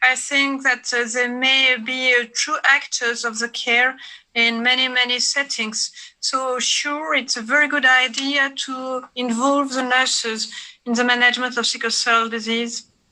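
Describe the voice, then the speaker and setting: A woman in a French accent projects a raised voice at a high pitch, her tone bright and sharp and her intonation monotone and flat. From France. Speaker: professor of haematology. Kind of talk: panel discussion Q&A.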